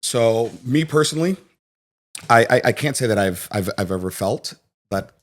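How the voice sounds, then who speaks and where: A man's voice: mid-range voice, normal speed. A Jamaican-born man raised in Florida, a guest on a podcast, telling stories and acting out the people in them. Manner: animated storyteller, acts out quoted voices. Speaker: guest, financial professional. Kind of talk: conversational podcast interview.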